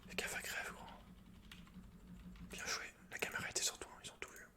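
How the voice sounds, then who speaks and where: A man whispering casual, slangy, sweary ASMR commentary while he plays a video game, in a breathy unvoiced whisper. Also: moderate pace, pushed and bright. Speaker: host of an ASMR gaming channel. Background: computer keyboard clicks and typing.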